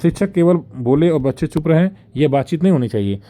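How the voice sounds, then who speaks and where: Young guy teaching an online class, soft mellow voice, keeps saying "see" and "ok". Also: fairly high pitch, lively intonation, fast talker. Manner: explanatory, frequent "dekhiye" and "theek hai" fillers. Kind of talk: online lecture.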